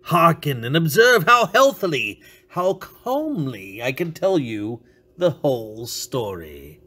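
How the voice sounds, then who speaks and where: Sly unhinged murderer narrator, read by a man: slow, lilting, theatrical villain delivery with dropped whispers. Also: fairly high pitch, sing-song, pushed and bright, breathy edge, full character voice. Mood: menacing. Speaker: reader. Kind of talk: dramatic reading.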